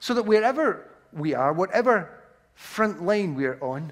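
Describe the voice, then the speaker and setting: A man with a Glaswegian accent at a fairly slow pace. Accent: Glaswegian Scottish. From Glasgow, Scotland. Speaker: pastor. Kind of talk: sermon. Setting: church.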